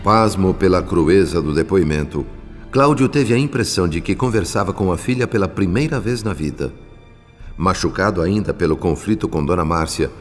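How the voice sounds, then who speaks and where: An actor as the solemn storyteller of a radio drama, grave and literary, with a Brazilian accent. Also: male voice, low-pitched, animated, normal speed, soft background music. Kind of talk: scripted radio drama narration. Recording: long cavernous reverb.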